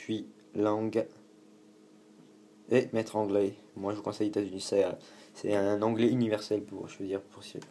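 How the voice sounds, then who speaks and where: A man's dark, mellow, fairly low voice in monotone, flat intonation, with long, frequent pauses. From France. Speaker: tech tutorial youtuber. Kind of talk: tutorial. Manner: casual, hesitant.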